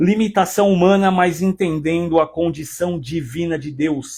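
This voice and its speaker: A man's unremarkable speaking voice, fairly high in pitch, with ordinary pitch variation at a fairly slow pace, on a very clean recording with a silent background. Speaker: pastor and live show host. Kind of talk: live-stream show announcements. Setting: studio, live stream.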